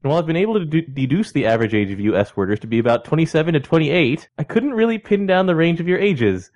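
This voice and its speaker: Podcast co-host, man in his thirties, casual, reads letters out loud and chuckles easily. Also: a little high, sing-song, fast, lo-fi sound. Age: 30s. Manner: laughs often, reads letters aloud. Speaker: podcast co-host reading listener mail.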